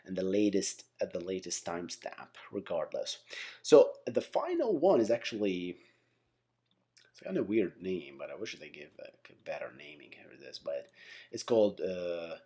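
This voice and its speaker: A man's voice: sits low, very animated, moderate pace, warm tone. A man giving an informal lesson as host, explaining by example in a rambling way, often repeating and correcting himself. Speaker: tech teacher and channel host. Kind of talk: casual whiteboard-style lesson, explaining by example.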